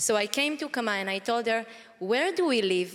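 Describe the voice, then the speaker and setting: Music plays in the background. The speaker talks at a moderate pace with a strong Israeli accent. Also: woman. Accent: heavy Israeli. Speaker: community emissary. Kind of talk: community talk. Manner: halting.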